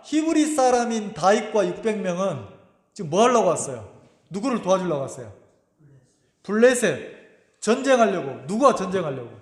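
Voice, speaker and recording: Lively high-voiced pastor in a reverberant church. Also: male voice. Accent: Korean, Gimhae area. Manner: retells the scripture in dramatic voices, asks the congregation questions. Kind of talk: Sunday sermon. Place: church sanctuary. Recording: roomy echo with long reverb.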